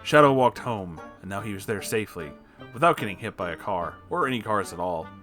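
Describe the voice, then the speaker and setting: A man narrates a comic fan story in a bright, forceful voice. His delivery is theatrical and emphatic, swinging widely in pitch, and music plays softly behind. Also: animated, fairly quick. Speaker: host reading fan fiction aloud. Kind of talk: comedic dramatic story narration.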